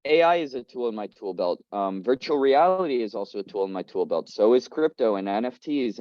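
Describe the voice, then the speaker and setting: A man's voice: mid-range voice, a little mellow, no room sound. A man in his twenties from Colombia, a startup founder giving a casual, upbeat talk on a community video call, full of fillers and restarts. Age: 20s. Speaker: guest speaker, startup founder. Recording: dry, slightly dull call audio.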